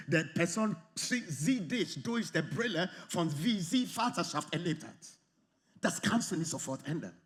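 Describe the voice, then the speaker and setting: A man preaching a sermon in lively, slightly non-native German with English phrases mixed in. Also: a little high. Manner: animated, lively, often acts out quoted arguments. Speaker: pastor.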